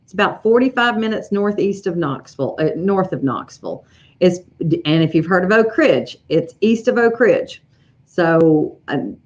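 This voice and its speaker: Broadcasting live from her sewing room at home, this East Tennessee embroidery educator, a middle-aged woman with a Southern accent, casually chats and welcomes viewers, full of fillers and restarts. Her voice is lowish, and the livestream sound is a bit dull and lo-fi.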